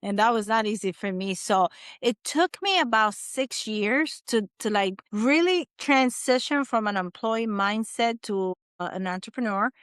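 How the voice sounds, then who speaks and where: A woman in her forties from the Dominican Republic, a guest telling her life story in a casual interview, animated and acting out her own past thoughts. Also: a little high, measured pace, hardly any pauses, clean tone, dry recording, clean studio sound. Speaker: guest, agency owner.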